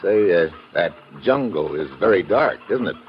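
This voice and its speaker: Wry American special agent, low voice, wide-swinging delivery, clipped, old radio thriller. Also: male voice, expressive, moderate pace, a little hiss or hum. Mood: probing, guarded. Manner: hard-boiled, clipped, wry. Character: tough, wry American male secret agent. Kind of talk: 1950s radio drama acting and first-person narration. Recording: muffled old radio recording, music behind.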